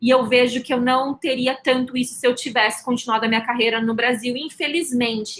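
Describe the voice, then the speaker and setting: A woman's high-pitched voice, fairly even in intonation, with hardly any pauses. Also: fairly quick pace. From Brazil, interior of São Paulo state. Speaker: tech professional, community co-founder. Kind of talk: panel interview.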